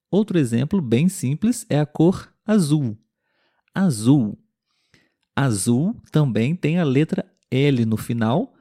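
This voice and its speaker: A man with a Brazilian Portuguese accent hosting a podcast pronunciation lesson, patiently repeating example words slowly and clearly for learners. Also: on the high side, warm tone, dry recording, clean studio sound. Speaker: language teacher and podcast host.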